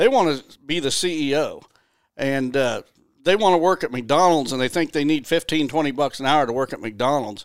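Heard over a very clean recording with a silent background, a man with an unremarkable speaking voice and fairly high pitch talks at a moderate pace with ordinary pitch variation. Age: 50s. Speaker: deer hunting podcast host. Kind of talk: casual chat; reading listener questions. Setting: home trophy room.

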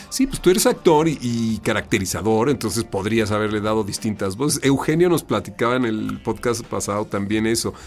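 Ordinary pitch variation at a fairly quick pace with hardly any pauses, music in the background. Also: man, medium pitch for a man. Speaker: podcast host and voice actor. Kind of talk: casual interview chat.

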